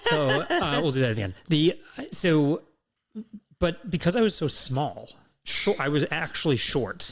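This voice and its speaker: The speech goes at a fairly slow pace with long, frequent pauses. Music plays in the background. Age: 40s. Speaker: author and engineering executive. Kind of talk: casual chat. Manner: halting.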